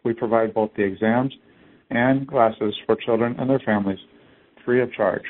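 On an earnings conference call, a man with a medium-pitched voice reads from a scripted presentation as a company executive, keeping a moderate pace and fairly even intonation. The sound comes through a narrow, tinny phone line.

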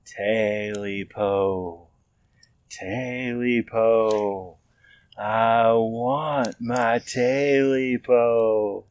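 A man voicing a short, stubby, clawed creature that chants slowly in a hissing, drawn-out voice. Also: mid-range voice, fairly even intonation, a little mellow, clean tone, dry recording. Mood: eerie.

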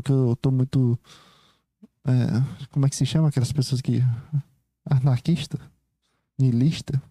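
A man with a Brazilian accent thinks out loud in a loose, wandering monologue. His voice is very dark and mellow, and the sound is close and dry. He keeps stopping to restart his sentences and checks in with the listener as he goes. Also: mid-range voice, no echo. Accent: Brazilian Portuguese. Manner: rambling, hesitant, many restarts and "you know?" tags. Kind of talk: casual reflective monologue.

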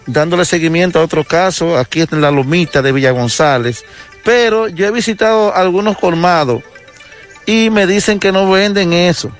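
A Dominican man with a slightly high voice gives a live field report on radio. There is faint music behind him. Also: moderate pace.

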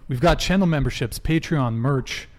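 A man's voice: fairly high pitch, moderate pace. A man hosting a live podcast, rattling off announcements in a brash, joking manner from a studio table. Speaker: podcast host.

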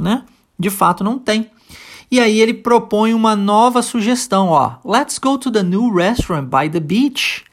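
A Brazilian teacher leads a podcast English lesson with a patient, step-by-step manner. Key phrases are modeled slowly and repeated several times, in a relaxed, encouraging classroom tone. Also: mid-range voice. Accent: Brazilian Portuguese.

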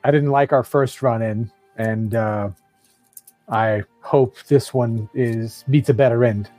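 A man's voice: mid-range voice, fairly even intonation, slow pace, dark tone, dry recording, faint music behind, lightly acted. Easygoing bard adventurer, wry and light, dry close sound ; a man plays him.

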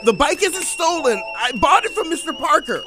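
Boy of thirteen, protesting schemer, extremely high and animated, period audio drama. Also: normal speed, over music. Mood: pleading, defensive. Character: defensive thirteen-year-old troublemaker boy, pleading and streetwise.

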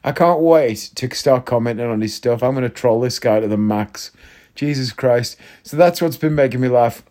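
A man's voice: medium pitch, moderate pace, dark tone. A man hosting a podcast, talking in a chatty, blunt and jokey way, often rambling with restarts. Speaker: podcast host. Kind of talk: casual chat monologue.

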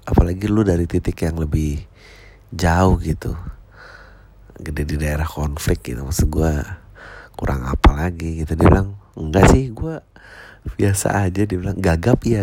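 A man's voice: sits low, very noisy. A man, a stand-up comedian talking casually and reflectively, full of slang, swearing and English phrases.

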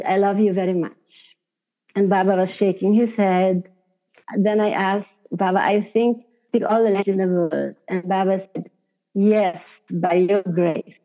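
An older woman, a spiritual teacher recounting personal memories in an interview, unhurried and full of soft laughs and "you know" fillers. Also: mid-range voice. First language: Hungarian. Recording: tinny phone-like audio.

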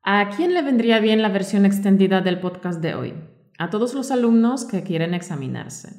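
A woman co-hosting a scripted teaching podcast. She reads example sentences in a clear, friendly teaching tone. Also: mid-range voice, lively intonation, normal speed, a little mellow. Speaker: podcast co-host and Spanish teacher. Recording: roomy echo.

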